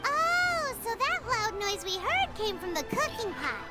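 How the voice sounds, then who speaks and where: A woman's voice: very high-pitched, big pitch swings, a little slow, full character voice. A woman voicing a tiny floating fairy companion who chatters in a bubbly, exclaiming way. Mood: chirpy. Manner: bubbly, exclaiming, refers to herself by name. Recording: game audio with music behind.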